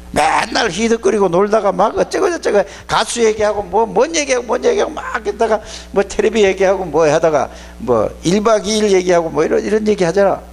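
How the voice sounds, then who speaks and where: Animated male pastor preaching to youth. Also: sits high, creaky. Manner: animated, scolding, plain-spoken storytelling. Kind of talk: sermon to youth.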